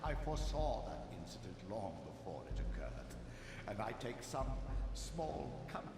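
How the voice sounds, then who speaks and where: A man's voice: medium pitch, big pitch swings, measured pace, background noise. A man acting the spirit of a scheming, sanctimonious old time sorcerer in a scripted video game, with theatrical, pleading oratory. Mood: bitter accusation. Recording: echoing hall reverb under loud music.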